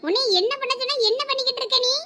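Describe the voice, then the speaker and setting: Over some background noise, a woman speaks at an extremely high pitch with a steady tone. Using a Thoothukudi Tamil accent, she plays a village mother in a comedy skit, constantly scolding and nagging her daughter in quick, sharp bursts.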